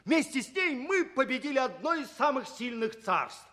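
An actor playing an anxious, loyal servant who cautions in an agitated, theatrical radio drama manner. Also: male voice, extremely high pitch, sing-song, normal speed, bright, forceful tone, exaggerated voice. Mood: anxious, warning. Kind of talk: theatrical radio play acting.

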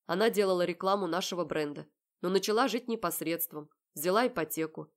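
Calm, serious young man, read by a woman narrator, slow and even in an audiobook. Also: on the low side, natural voice. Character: calm, self-assured young man kidnapping his fiancée's sister.

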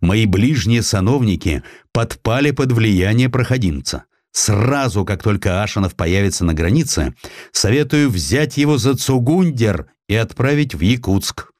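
An imperious Russian Tsar played by a man narrating an audiobook. He speaks in a low register with curt authority and indignation, his melody rising and falling widely. The sound is dry. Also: lively intonation, measured pace, a little mellow, no echo. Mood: angry, ordering. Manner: curt, authoritative exclamations and orders.

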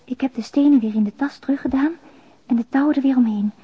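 A woman's voice: sits high, fast talker, breathy edge. An actress playing an anxious, naive young mother who confides a confession by letter in a radio drama, intimate and hesitant. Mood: nervous, confiding. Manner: intimate, confiding, hesitant, lapsing into near-whispers. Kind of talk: radio drama monologue, letter read in voice-over. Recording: dull, roomy radio drama recording.

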